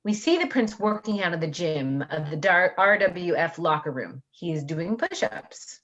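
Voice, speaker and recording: Low-voiced woman narrating, dull sound. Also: expressive, normal speed, a bit bright. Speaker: narrator reading stage directions. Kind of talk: scripted narration in amateur staged reading.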